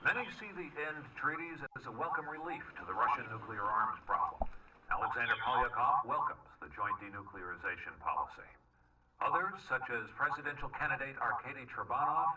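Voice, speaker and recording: An actor playing a male news anchor reading a formal broadcast in a measured newsreader manner. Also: mid-range voice, big pitch swings, distant mic, noisy background, close to an everyday voice. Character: male television news anchor in a spy game.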